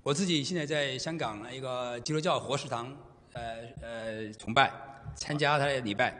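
A middle-aged man preaching a sermon in short phrases, pausing for his interpreter. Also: mid-range voice, sharp tone. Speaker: guest preacher. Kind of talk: sermon in Mandarin with live interpretation. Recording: long reverb of a church hall.

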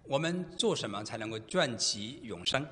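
A middle-aged man preaching a sermon in short phrases, pausing for his interpreter. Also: mid-range voice, animated, sharp tone, slight background noise. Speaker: guest preacher. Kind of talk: sermon in Mandarin with live interpretation. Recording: long reverb of a church hall.

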